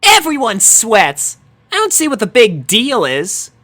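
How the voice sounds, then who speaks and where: A woman's voice: a little high, wildly swooping pitch, unhurried, fairly bright tone, voice pushed up, heavily acted. A woman voicing a brash, sporty teenage tomboy in a story reading, with a blunt, cocky delivery. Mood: incredulous.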